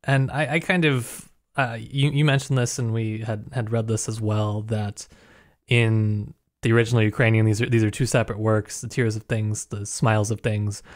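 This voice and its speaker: A man's voice: on the low side, little pitch movement, moderate pace. A man hosting a literature podcast, asking long searching questions with many fillers and hesitations. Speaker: podcast host. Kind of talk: casual podcast conversation.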